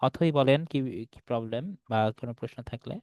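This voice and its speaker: A man's voice: medium pitch, fast, a little mellow, smooth, no room sound. A man teaching an English class online, explaining patiently and checking often that students follow along. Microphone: video call.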